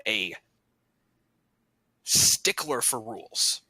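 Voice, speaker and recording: A man narrates a tabletop game as game master, loose and joking, and he curses casually. His voice is very bright and sits close and dry. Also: on the low side, expressive, extremely slow, no room sound, low-quality recording. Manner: casual, joking, swears freely.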